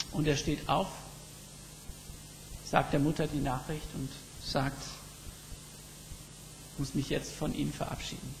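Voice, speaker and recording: A man preaching a sermon, reflective and slow, telling stories with emphatic pauses. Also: on the high side. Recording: long reverb with faint background noise.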